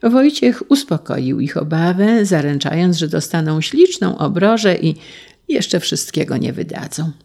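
A narrator reading a children's storybook in an even, unhurried way. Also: medium pitch, creaky.

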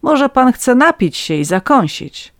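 A reader voicing a shrewd, calm peasant farmer, a man who asks dry, measured questions. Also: sits high, dry recording, pitched above the performer's own voice. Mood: sly.

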